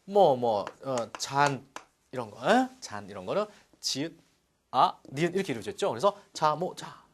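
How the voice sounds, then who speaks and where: Speaking at normal speed in a mid-range voice, a middle-aged man teaches Korean to a class, walking through each step and checking in with students as he goes. His delivery is lively, full of "자" and rhetorical checks, with slight background noise.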